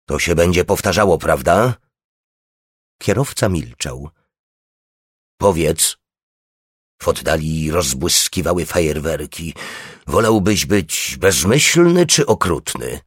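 A man narrating an audiobook in a slow, measured reading voice, with a slightly husky tone. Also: low-pitched, dry recording, clean studio sound.

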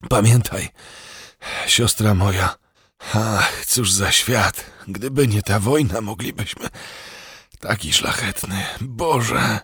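A man's voice: fairly low pitch, slow, pauses often, a bit bright, husky, dry recording, clean studio sound, pitched above the performer's own voice, exaggerated voice. A man voicing a dying young prince who speaks in weak, broken, whispery phrases, breathless and bleeding. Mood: faint, fading. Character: dying young male prince, gentle and faint.

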